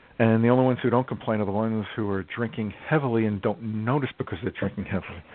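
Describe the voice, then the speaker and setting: The pace is very fast. A man talks over noticeable background noise. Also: medium pitch for a man, fairly even intonation, hardly any pauses. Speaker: podcast host. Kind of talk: casual chat.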